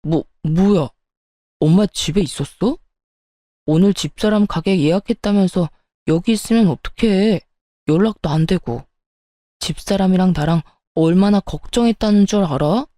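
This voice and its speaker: A woman's voice: fairly low pitch, moderate pace, warm tone, dry recording, studio quality, close to an everyday voice. A woman voicing a flustered husband caught between his wife and his mother in a dramatized story. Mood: worried. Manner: flustered, pleading.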